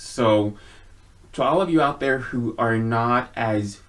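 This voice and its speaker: A man giving a casual personal monologue to viewers in an earnest, halting way, with frequent pauses. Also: medium pitch, a bit bright. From Sweden. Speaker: video blogger.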